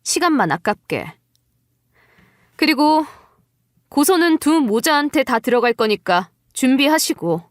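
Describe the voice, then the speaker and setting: Woman playing wronged wife, firm, curt, sarcastic, high voice, dry audio drama. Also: big pitch swings, a little slow, long pauses, no echo. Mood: cold, scornful.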